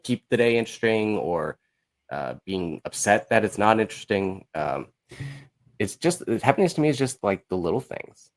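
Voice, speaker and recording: A man's voice: lowish voice, sing-song, moderate pace. A man speaking as an interview guest in casual conversation, informal and hesitant as he searches for his words. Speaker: podcast guest, musical creator.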